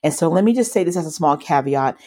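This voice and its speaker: A woman's voice: low voice, lively intonation, fast, mellow. A woman in her forties, slightly nasal as she recovers from a cold, hosting her podcast in an earnest, encouraging storytelling way. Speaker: podcast host. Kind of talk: solo podcast monologue.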